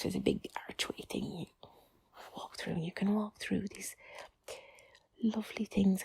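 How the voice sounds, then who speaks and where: Whispering Irish woman, breathy whispered role-play. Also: fairly low pitch, mellow, no echo. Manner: rambling, chatty, addresses listener as companion. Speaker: tour guide narrator. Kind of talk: intimate whispered ASMR walking-tour role-play.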